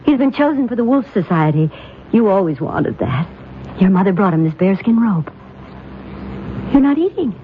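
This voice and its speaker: An actress plays a gentle, worried Native American wife with lively inflection. She is tender and solicitous in old-time radio style. The recording is narrow and thin, with faint noise. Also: medium pitch, normal speed, long pauses, natural voice.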